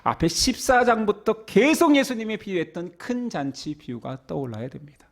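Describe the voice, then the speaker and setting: A man's voice: sits high, very animated, moderate pace. A male pastor preaching a sermon with rhetorical questions to his congregation.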